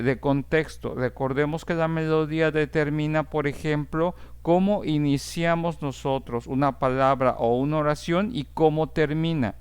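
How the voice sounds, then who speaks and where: A man lecturing to his students at a deliberately slow pace, pausing on "eh" and checking in with "¿sí?". His voice sits a little high for a man. It comes through smooth and resonant. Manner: slow, measured explaining with frequent "eh" fillers and "¿sí?" checks. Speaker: teacher. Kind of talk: recorded class lecture.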